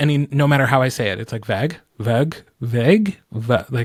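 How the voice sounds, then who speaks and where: With an American accent, a man speaks fairly quickly in a somewhat breathy voice at a fairly high pitch. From Wisconsin, US Midwest. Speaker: podcast host and audiobook narrator. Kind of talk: casual interview chat; show outro.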